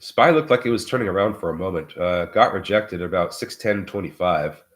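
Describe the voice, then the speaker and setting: A sick man whose voice sounds muffled, as if speaking through a wall, talking about trading in a halting way with many fillers. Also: low-pitched, expressive. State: sick, under the weather. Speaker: regular market commentator. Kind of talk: casual trading talk on a live show. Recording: roomy, muffled remote audio.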